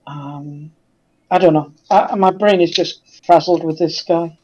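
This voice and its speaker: Mellow man on dull, muffled audio. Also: on the high side, fairly even intonation, a little slow. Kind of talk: casual discussion.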